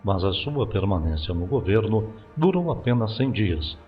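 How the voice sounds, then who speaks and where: Man narrating history lesson, formal steady read, muffled audio, heavy music. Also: on the low side, moderate pace. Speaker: history teacher. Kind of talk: scripted narration for a video lesson. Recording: dull lo-fi voice-over with loud music.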